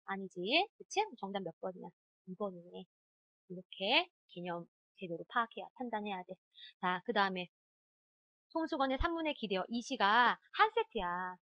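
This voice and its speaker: A woman's voice: medium pitch, no room sound, muffled recording. A woman teacher giving an online exam-prep lecture, quizzing and talking straight to her students. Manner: animated, talks straight to students, quick quizzing asides.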